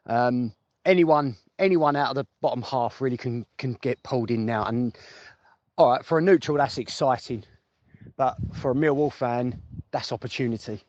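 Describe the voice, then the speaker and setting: A man's voice: medium pitch, darkish tone, no echo. A man gives informal football fan reaction, chatting and thinking aloud, repeating phrases for emphasis. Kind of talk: informal voice note commentary for a fan podcast. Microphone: phone voice message. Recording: muffled lo-fi voice note, noisy, clicks.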